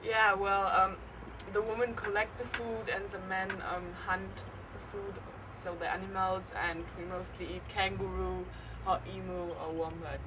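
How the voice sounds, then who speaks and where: A woman's voice: mid-range voice, level tone, moderate pace, lightly acted. A teenage girl playing a friendly Aboriginal girl guest in a school role-play, talking casually and hesitantly. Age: teens. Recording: far mic with background noise.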